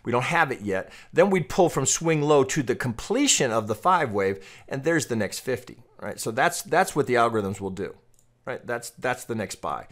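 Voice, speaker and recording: A man's voice: medium pitch, a bit bright. A man giving unscripted tutorial commentary as a trading analyst, explaining step by step and often repeating and restarting his phrases.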